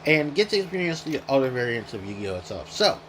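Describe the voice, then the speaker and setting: A man's voice: mid-range voice, big pitch swings, fast, background noise. A man hosting a casual gaming retrospective, rambling and correcting himself as he goes, chewing while he talks. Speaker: gaming video host.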